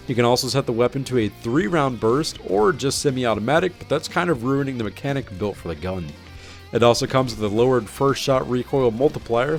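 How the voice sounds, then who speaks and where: Male gaming host narrating over music. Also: mid-range voice. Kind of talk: scripted game patch review narration.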